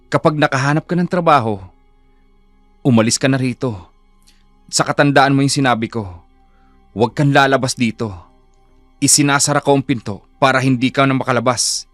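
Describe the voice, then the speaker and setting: A man's voice: medium pitch, fairly even intonation, moderate pace, long pauses, a bit bright, no room sound, faint music behind, lightly acted. A man voicing a stern, secretive young man in a horror audio drama, giving curt orders. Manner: curt, commanding.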